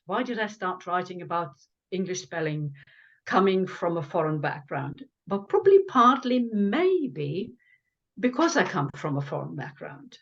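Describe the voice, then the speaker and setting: A woman's voice: fairly low pitch, muffled recording. An older woman, originally from Lithuania with Lithuanian as her first language, talks as an author and guest in an earnest, explanatory way with the occasional wry aside. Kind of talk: conversational explanation.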